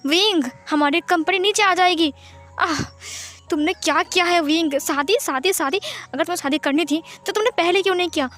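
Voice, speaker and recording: A woman's voice: extremely high pitch, normal speed, fairly bright tone, faint music behind. A woman voicing an angry middle-aged businessman father who scolds his son in a fan story reading. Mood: upset. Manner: exasperated scolding.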